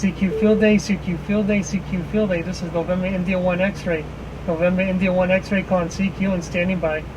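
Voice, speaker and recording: A man makes a ham radio call, repeating his call sign over and over in the phonetic alphabet, fairly high-pitched and almost flat in tone. His delivery is steady and measured. A clear hum of noise sits under the voice at the outdoor station. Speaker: amateur radio operator. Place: temporary outdoor radio station run on generator power.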